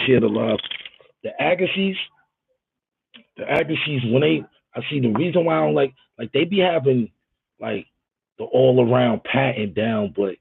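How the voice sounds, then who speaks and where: Gravelly, husky man on a tinny live stream. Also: medium pitch, no echo. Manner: rambling, emphatic, talks straight to viewers. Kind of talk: casual live-stream chat. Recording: tinny phone-like audio.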